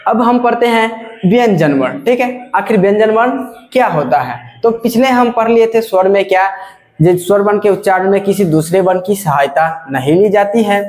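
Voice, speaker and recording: A male teacher giving a classroom grammar lesson, drawing out example sounds slowly and saying "ठीक है" again and again. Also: high voice, expressive, a little mellow, reverberant.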